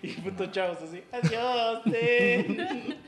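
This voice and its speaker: Young male podcast co-host, Mexican accent, slangy and crude, slightly higher voice. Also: lively intonation, normal speed. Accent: Mexican Spanish. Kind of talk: casual chat.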